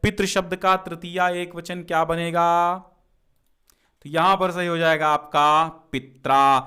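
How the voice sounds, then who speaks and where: A man's voice: fairly high pitch, level tone, a little slow, sharp tone, clean tone. A man teaching an exam-prep lesson, walking through answers and often checking in with the class, at times chanting word forms in a sing-song. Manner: checks in often with "theek hai".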